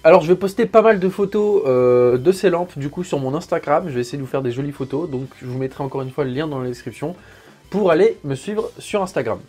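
Soft music plays as a man unboxes sponsored gear for his channel. His voice sits on the high side, a little mellow and slightly rough, and he moves at a quick, animated clip, joking, explaining each step, and using many fillers.

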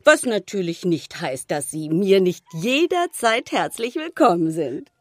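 Lively, gossipy village shopkeeper. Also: female voice, on the low side, unhurried, dry recording, clean studio sound. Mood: friendly, teasing. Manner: homely, teasing, confiding. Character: chatty, gossipy ageing village shopkeeper, teasing, long-suffering mother. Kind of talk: German radio play acting.

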